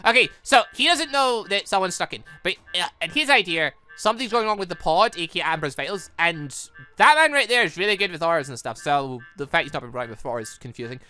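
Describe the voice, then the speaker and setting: A gaming channel host giving excited, rambling, exclamatory playthrough commentary, thinking aloud into a close microphone. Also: medium pitch, fast, faint music behind.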